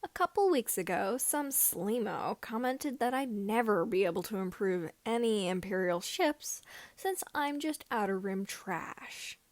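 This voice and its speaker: A woman voicing a cocky, deadpan teenage boy mechanic who hosts scrap-repair videos in a sci-fi story. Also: medium pitch, unhurried, no room sound, natural voice. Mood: dry, boastful.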